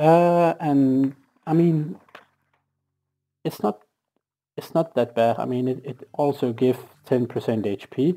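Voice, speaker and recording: Using a dark, mellow tone, a man speaks at a fairly slow pace and a fairly high pitch with ordinary pitch variation and long, frequent pauses. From Denmark. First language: Danish. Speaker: gamer. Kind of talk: casual game tutorial narration.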